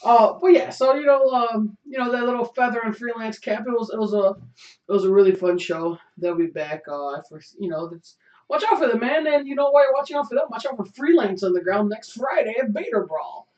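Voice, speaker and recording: Hoarse joking man, echoey lo-fi webcast. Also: very high-pitched, animated, a little fast, a little mellow. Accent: Chicago. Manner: joking, teasing banter. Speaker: podcast co-host. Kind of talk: casual chat. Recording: echoey room, dull lo-fi sound.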